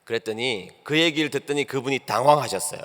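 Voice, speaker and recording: A man's voice: mid-range voice, fast talker, fairly bright tone. A male pastor preaching a sermon, telling a personal story and acting out both sides of a phone call. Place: church sanctuary. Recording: long church hall reverb.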